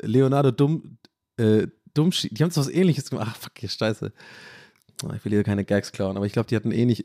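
A German-accented podcast host in his thirties who chats casually, drifting off track and laughing at himself. His voice sits at a middling pitch. The recording is dry and close, with no room sound. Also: mellow, dry recording. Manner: rambling, loses his train of thought, self-mocking. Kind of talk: casual rambling chat.

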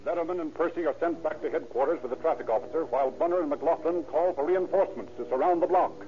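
A man's voice: fairly high pitch, fast talker, background noise. A man narrating an old radio crime drama in a scripted, dramatic style. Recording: dull, muffled old radio recording.

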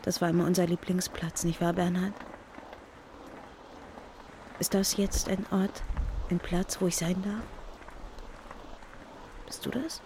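A woman's voice: lowish voice, flat delivery, a little slow, pauses often. A woman speaking an intimate first-person literary narration, addressing an absent person directly, outdoors on a city street. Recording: loud street and traffic noise.

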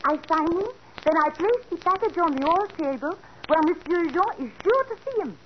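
An earnest French lady's maid in a 1940s radio drama, speaking broken English with a French accent. Her voice sits very high and swoops all over. It comes through a dull, old broadcast with a faint hiss. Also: animated, normal speed. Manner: broken English, eager to explain.

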